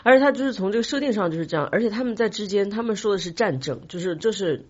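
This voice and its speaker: Quick-talking woman with a slightly husky voice. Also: medium pitch, animated, dull audio. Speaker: podcast co-host. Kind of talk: casual chat.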